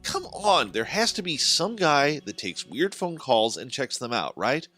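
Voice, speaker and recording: A man's voice: mid-range voice, very animated, a little slow, bright, forceful tone, faint music behind, voice pushed up, exaggerated voice. A man voicing an exasperated, anxious young man in a horror story, earnest and insistent. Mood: urgent pleading.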